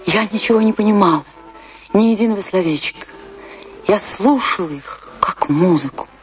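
A woman's voice: medium pitch, moderate pace, loud music behind the voice, lightly acted. An actress playing a passionate, lovestruck female dancer remembering her poet husband in a theatrical radio-play monologue. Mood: rapturous. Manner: theatrical, lingering, rapturous delivery. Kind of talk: dramatic first-person monologue in a radio play.

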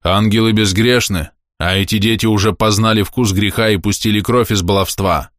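A man's voice: on the low side, steady tone, normal speed, a bit bright, no room sound, clean studio sound, lightly acted. Man reading a huffing stern village priest. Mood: indignant. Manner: huffing, sanctimonious.

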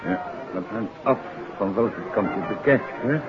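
An actor playing a courteous, probing gentleman detective in a 1950s Dutch radio play, genial and a little hesitant. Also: lowish voice, moderate pace, natural voice. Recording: muffled old radio recording, music behind.

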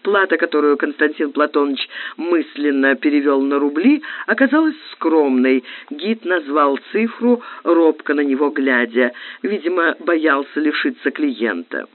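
A man narrating a literary audiobook with expressive, theatrical phrasing. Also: a little high, unhurried, few pauses. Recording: tinny phone-like lo-fi recording.

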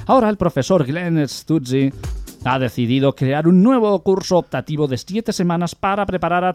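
A man's voice: fairly high pitch, a little mellow, no echo. A man hosting a radio comedy show, reading odd news stories and telling jokes.

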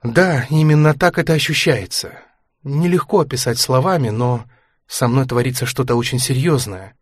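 A man reading a book aloud, voicing an aging former ballerina who is anxious, proud and sharp-tongued, in a higher, tense voice. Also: normal speed, dry recording, clean studio sound, natural voice. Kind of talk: audiobook character reading.

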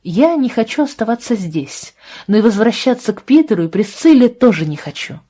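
A headstrong teenage girl, as a woman reader puts her on, with a higher, louder voice than the narration. She snaps in indignant outbursts, hurt and defiant. A husky, dark tone stays underneath. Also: big pitch swings, normal speed.

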